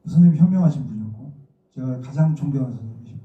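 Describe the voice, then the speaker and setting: A man's voice: medium pitch, rapid-fire. A middle-aged man from Daegu with a Daegu accent, giving an informal, conversational lecture full of personal stories as a stage actor. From Daegu, South Korea. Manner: conversational, acts out remembered dialogue. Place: indoor lecture room, recorded from a distance. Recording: muffled, echoey room, distant mic.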